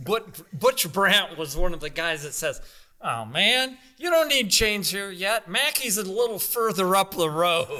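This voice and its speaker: His voice raised and projected, a man speaks at a fairly slow pace with a high pitch, a bright, sharp tone and very wide pitch swings. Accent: American. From California. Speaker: veteran truck driver. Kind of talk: casual chat. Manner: laconic.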